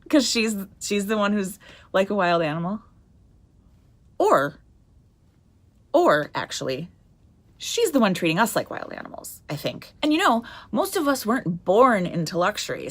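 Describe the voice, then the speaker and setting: A woman playing a scrappy, awkward wasteland scavenger, earnest and rambling, in a comedy drama. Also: mid-range voice. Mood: earnest, excited. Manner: rambling, earnest, self-correcting.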